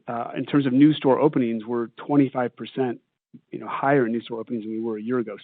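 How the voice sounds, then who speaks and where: A man answers investor questions as a company executive, with a flat, even pitch and a measured, halting delivery. His voice comes over a tinny phone line with a roomy echo. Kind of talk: answering questions on an earnings call.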